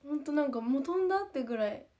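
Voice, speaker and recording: Young female idol, casual chatty talk, higher mellow voice, giggly and repetitive. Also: animated, rapid-fire. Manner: chatty, giggly, repeats herself a lot. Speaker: idol group member. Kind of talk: casual chat to viewers.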